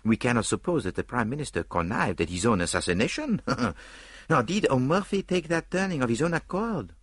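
A fussy, excitable Belgian detective, as a male narrator puts him on, in a storybook reading. His voice sits high and swings all over with a breathy, husky edge. The recording is close and dry. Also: no room sound. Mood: animated, pondering. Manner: theatrical, rising pitch, quick bursts. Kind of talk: audiobook character voice.

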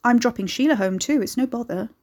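A woman's voice: a little high, fast, darkish tone, pitched above the performer's own voice, close to an everyday voice. A woman voicing a shy, easygoing man in an audiobook, polite and reassuring. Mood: friendly, reassuring.

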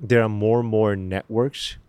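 A middle-aged man with a Korean accent, an actor answering interview questions in an earnest, halting way with many fillers and restarts. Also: fairly low pitch, fairly even intonation, dark tone, clear, resonant tone, no echo. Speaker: actor guest.

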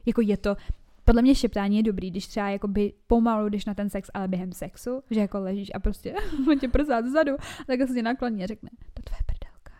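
A woman's voice: medium pitch, few pauses, dark tone. A young woman co-hosting a podcast, chatting frankly and bluntly, swearing freely and giggling often. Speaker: podcast co-host. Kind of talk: casual frank podcast chat.

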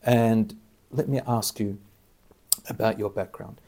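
A man's voice: on the low side, steady tone, slow pace, mellow. A man hosting an interview, giving earnest religious advice in a teaching tone. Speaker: interviewer and Islamic preacher.

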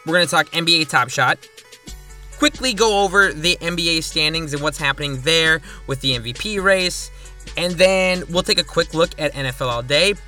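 A man hosting a casual solo sports podcast, with a slightly high voice that is strongly bright and forceful. He talks in a chatty, jokey way, breaking off for asides before he rattles through a list of topics. Faint music plays underneath. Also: moderate pace. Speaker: podcast host.

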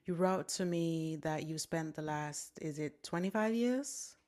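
Woman podcast host, very low voice, affirming, asks open questions. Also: measured pace, a little mellow. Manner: supportive, frequent affirming backchannels. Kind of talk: conversational interview.

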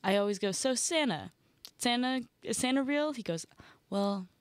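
A young woman co-hosting a podcast, chatting casually with wry, deadpan asides and frequent laughter. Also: a little high, moderate pace, no room sound. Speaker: podcast co-host. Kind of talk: casual chat.

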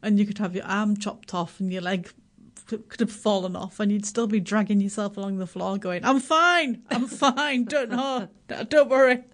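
A woman's voice: mid-range voice, fairly even intonation. A middle-aged woman from Yorkshire speaks with a Yorkshire accent. She talks as a guest on a radio show, laughing often and poking fun at herself. Her sentences start over and stumble along in a chatty way. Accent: Yorkshire English. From Yorkshire, England. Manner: self-deprecating, laughs often, halting restarts. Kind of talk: casual radio interview.

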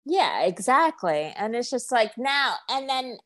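A woman's voice: on the high side, sing-song, unhurried, fairly bright tone. A woman co-hosting a podcast, easygoing and agreeable, with hesitant fillers. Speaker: podcast co-host. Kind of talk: casual chat.

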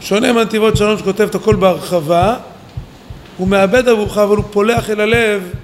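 Animated high-voiced rabbi teaching. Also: male voice, slight background noise. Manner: animated, acts out quoted voices, talks to listeners directly. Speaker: rabbi teaching a weekly Torah class. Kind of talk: yeshiva Torah lesson. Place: study hall at a yeshiva.

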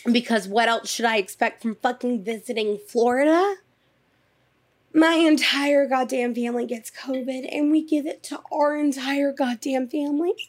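Woman in her thirties, podcast co-host, foul-mouthed and blunt, dramatic storyteller, sounds worn out, fairly high voice. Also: fairly even intonation, moderate pace. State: worn out after illness. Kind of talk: casual chat.

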